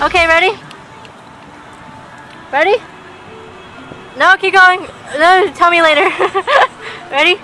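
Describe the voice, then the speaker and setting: A woman's voice: very high-pitched, slow pace, pauses often, sharp tone, faint music behind, low-quality recording. A young woman directing friends through a video shoot outdoors, calling short repeated commands and breaking into giggles. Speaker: video director filming on a phone. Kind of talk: giving directions between takes. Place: outdoors on a busy street.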